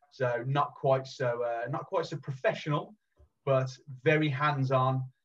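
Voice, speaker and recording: A man speaks at a medium pitch and a fairly slow pace. His voice is somewhat breathy, with fairly even intonation. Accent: Birmingham. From Birmingham, England. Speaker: financial advisor. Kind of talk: podcast interview.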